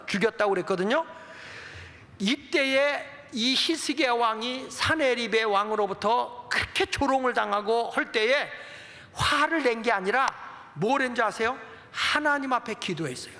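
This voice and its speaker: A middle-aged male pastor preaching a sermon, telling Bible stories in an animated way and acting out prayers and taunts. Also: very high-pitched, long reverb tail.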